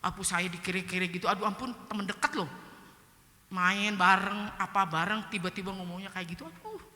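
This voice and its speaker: A middle-aged woman pastor with a slightly hoarse voice, giving an emotional sermon full of personal testimony and acted-out quotes. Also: mid-range voice, a little fast, sharp tone. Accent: Indonesian. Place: church hall. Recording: echoey church hall with long reverb.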